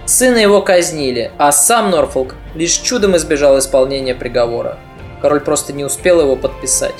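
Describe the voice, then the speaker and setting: A woman narrating a history podcast in a measured, reflective storytelling manner. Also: on the low side.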